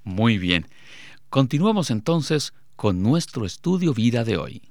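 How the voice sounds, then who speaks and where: A man hosting a Bible study program, presenting in a lively, conversational way. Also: mid-range voice, unhurried, dry recording, studio quality. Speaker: program host.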